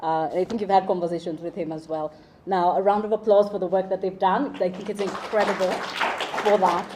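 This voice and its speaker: A woman's voice: fairly low pitch, steady tone, fairly quick, darkish tone, slight background noise, rough recording. A woman emceeing a live event, politely introducing speakers with a few fillers. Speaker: event host. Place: event venue.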